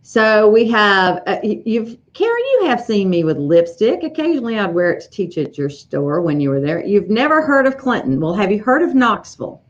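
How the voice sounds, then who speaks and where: A chatty middle-aged woman with an East Tennessee Southern accent hosts a live stream from her sewing room at home. She rambles warmly through fillers and restarts, her voice sitting at a middle pitch. The audio is a little dull and lo-fi. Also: sing-song, normal speed, hardly any pauses. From East Tennessee, USA. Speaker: livestream host, embroidery educator. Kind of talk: casual live-stream chat greeting viewers. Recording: slightly dull lo-fi livestream audio.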